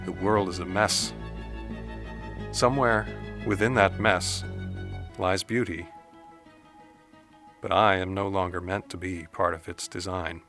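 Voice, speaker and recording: An actor playing a dead man's trapped, anguished spirit who reads a letter in measured, formal diction in an audio drama. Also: deep voice, steady tone, fairly bright tone. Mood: solemn, resigned. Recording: music under the voice.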